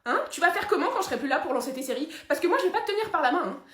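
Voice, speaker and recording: A woman playing an exasperated young woman loudly scolding her father in a comedy sketch. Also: high-pitched, fairly even intonation, fast. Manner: loud, hectoring rant. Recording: roomy echo.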